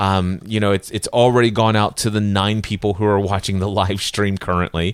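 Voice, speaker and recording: A man speaks in a flat monotone at a fairly quick pace. His pitch sits fairly low. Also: very clean recording, silent background. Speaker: podcast host and coach. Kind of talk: casual chat. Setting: studio with live stream. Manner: loud.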